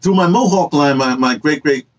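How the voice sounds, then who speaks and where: An older man with an American accent and a husky voice, giving an emphatic, off-the-cuff opinion monologue to camera in a small room. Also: on the high side, normal speed. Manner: animated, emphatic, rhetorical questions, gesturing. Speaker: vlogger and activist commentator. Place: small cluttered indoor room with books and hanging fabrics.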